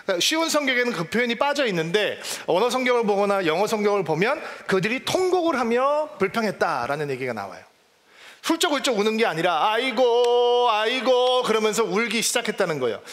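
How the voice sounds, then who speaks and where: A man's voice: sits high, big pitch swings, fast, fairly bright tone, big-room sound. A man preaching a sermon as pastor, in a conversational way, often putting questions to the congregation.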